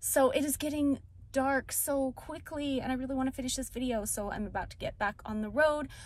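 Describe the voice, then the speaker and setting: The sound is dry with no echo. A woman talks at a moderate pace with ordinary pitch variation. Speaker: travel vlogger. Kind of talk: casual vlog chat. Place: car. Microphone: phone near.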